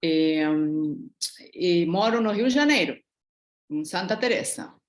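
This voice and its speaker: Middle-aged woman, Peruvian Spanish accent, lowish voice, talkative and reflective. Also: expressive, slow. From Peru. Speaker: student asking a question. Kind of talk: online class comment.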